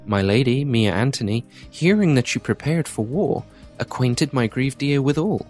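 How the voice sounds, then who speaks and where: Actor as a formal, medium-pitched Roman noble. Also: male voice, expressive, moderate pace, darkish tone, soft background music, natural voice. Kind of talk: Shakespearean audio drama acting.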